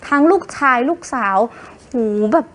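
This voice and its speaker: A woman co-hosting a television entertainment news show, presenting celebrity stories playfully and teasing her co-host. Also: moderate pace. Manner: playful, expressive, teasing questions.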